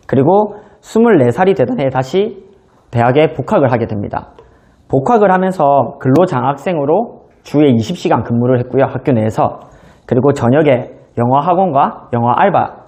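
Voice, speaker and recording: A man's voice: on the high side, a little mellow. A man in his thirties giving a motivational business lecture, telling his own story in a conversational way. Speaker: business seminar speaker.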